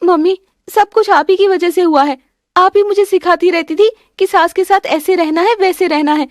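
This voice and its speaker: A woman's voice: moderate pace, no echo, studio quality. A woman voicing a tearful young married daughter who cries out and pleads. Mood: pleading. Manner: high, pleading, crying out. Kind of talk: Hindi family drama voice acting.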